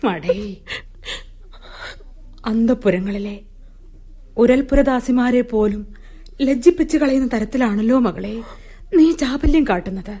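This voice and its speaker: A woman's voice: fairly high pitch, unhurried, long pauses, mellow. Kunti, stern royal queen mother. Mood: lecturing. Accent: Malayali. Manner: solemn, declamatory, scolding. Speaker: radio drama actor. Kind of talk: 1970s-style radio drama acting.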